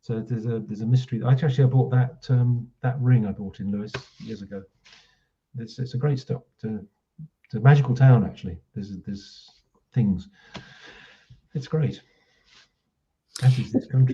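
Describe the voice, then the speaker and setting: A man talks at a fairly quick pace and medium pitch, somewhat breathy, with a dark, mellow tone and ordinary pitch variation. He leaves long, frequent pauses, and his loudness swings widely. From southern England (Hastings, Sussex). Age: 60s. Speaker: spiritual order member. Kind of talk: casual interview chat.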